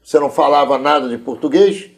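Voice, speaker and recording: A man's voice: a little high, fast talker. A man with a Brazilian accent, hosting a television interview in a conversational style.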